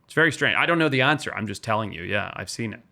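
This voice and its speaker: A man's voice: on the low side, expressive, rapid-fire, vocal fry, sharp tone. A man from Zimbabwe, a wildlife biologist guest, explaining and telling stories in an earnest podcast talk.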